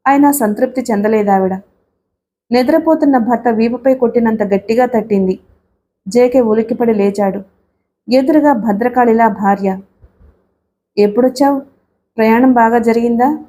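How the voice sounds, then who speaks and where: A woman's voice: fairly high pitch, dark tone. A woman narrating an audiobook story, voicing every character's dialogue in her own voice.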